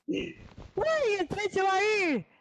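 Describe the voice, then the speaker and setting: A young man with a Latin American Spanish accent in casual gaming chat and roleplay, excitable and slangy. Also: extremely high pitch, takes it slowly, slight background noise. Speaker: gaming video creator.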